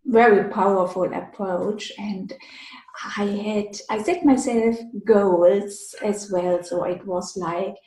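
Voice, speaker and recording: A woman's voice: mid-range voice, steady tone, slow pace, dark tone. A woman, a language teacher hosting a casual interview, giving earnest advice while thinking aloud. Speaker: language teacher and channel host. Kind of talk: casual video-call interview. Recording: roomy echo.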